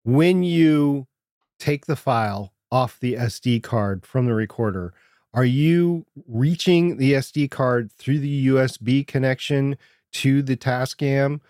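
Man, quiet voice, measured, podcast co-host, dry studio sound. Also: mid-range voice, dry recording. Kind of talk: casual tech chat. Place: home studio.

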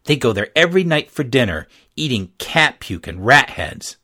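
A man's voice: mid-range voice, very animated, normal speed, pushed and bright, pitched above the performer's own voice. A man putting on a sneering schoolgirl bully. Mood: taunting. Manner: sneering, mocking. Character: mean taunting schoolgirl.

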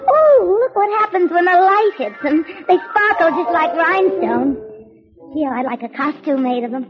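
A flirty gangster's moll dancer. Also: female voice, very high-pitched, expressive, normal speed. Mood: coaxing. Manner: coaxing, breathy gangster's moll. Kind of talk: 1940s radio acting. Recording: dull old radio recording with music.

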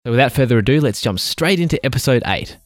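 A man hosting an education research podcast, reading a formal guest introduction and then asking interview questions in a measured way. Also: medium pitch, animated, no echo. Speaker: podcast host.

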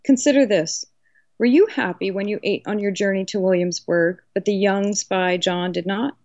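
A woman's voice: medium pitch, moderate pace, a little mellow, dry recording, lightly acted. A woman reading the part of an earnest, learned male colonial law professor, didactic and emphatic, from a historical novel. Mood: earnest, instructive. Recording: dull lo-fi audio.

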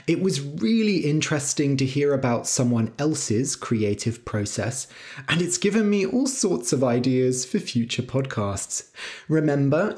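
A man's voice: fairly high pitch, a little mellow. Sex: man. Role: enthusiastic podcast host. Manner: friendly, enthusiastic, a bit philosophical. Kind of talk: podcast interview and outro.

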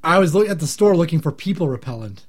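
A slightly hoarse man with a scratchy throat, chatting casually on a podcast. His voice sits a bit high for a man and moves a lot in pitch. He rambles and jokes, and he clears his throat often. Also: expressive, quick pace. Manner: rambling, joking. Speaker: podcast co-host. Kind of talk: casual chat.

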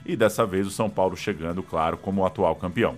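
A man's voice: sits low, fast talker. A Brazilian man co-hosting a football history show with conversational, informed storytelling. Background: music.

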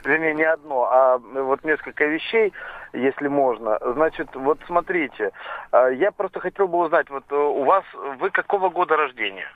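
A man's voice: a little high, animated, normal speed, no echo. A man in his thirties calling in by phone, rambling and hesitant with many fillers. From southern Russia. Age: 30s. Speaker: caller. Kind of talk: phone-in call. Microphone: telephone. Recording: tinny dry phone line.

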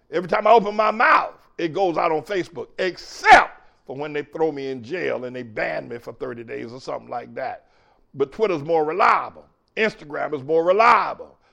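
A man's voice: high-pitched, creaky, fairly bright tone. A man hosting his own show as a pastor, preaching emphatically, repeating phrases and calling cues to his engineer. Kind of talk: preaching talk show monologue.

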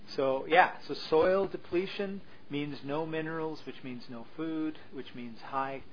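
A man's voice: fairly high pitch, measured pace. Agreeable younger male co-host, lo-fi audio. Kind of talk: casual discussion. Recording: dull lo-fi audio with faint noise.

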